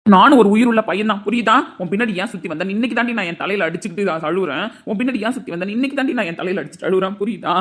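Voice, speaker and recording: A woman's voice: mid-range voice, expressive, very fast, few pauses, close to an everyday voice. A woman voicing a furious young husband. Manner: shouting, scolding, repeats "understand?". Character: young husband, angry and scornful. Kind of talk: amateur audio drama acting.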